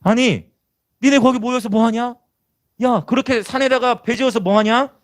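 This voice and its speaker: A man's voice: very high voice, steady tone, very fast, no room sound, clean studio sound, voice pushed up. A man voicing a crowd of jeering scoffers who mock a believer, in a taunting, scornful manner.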